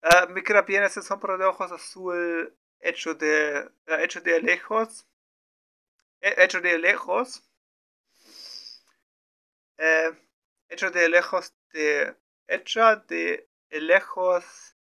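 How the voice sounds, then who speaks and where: A man practicing Spanish as a learner, talking slowly through an improvised story with many fillers, restarts and self-corrections. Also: high-pitched, fairly even intonation, vocal fry, sharp tone, smooth. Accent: non-native Spanish learner. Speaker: language learner streaming his practice. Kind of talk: halting improvised practice talk.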